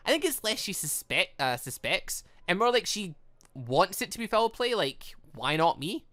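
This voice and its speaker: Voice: mid-range voice, very animated, normal speed, fairly bright tone. A gaming video host giving casual, chatty, jokey commentary while playing through a game and reading its dialogue aloud.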